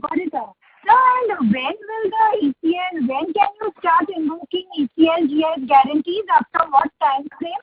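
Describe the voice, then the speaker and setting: A woman's voice: very high-pitched, normal speed, no echo. A woman analyst asking questions on an earnings call over the phone, polite and addressing the executive as sir. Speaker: analyst caller. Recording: tinny phone line.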